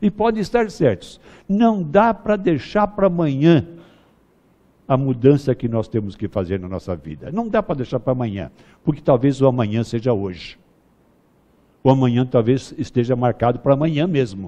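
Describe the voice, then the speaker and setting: Long, frequent pauses break up a man's dark, mellow voice, which moves through very wide pitch swings. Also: medium pitch for a man, moderate pace. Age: 80s+. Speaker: spiritist lecturer. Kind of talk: religious lecture. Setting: spiritist center with audience.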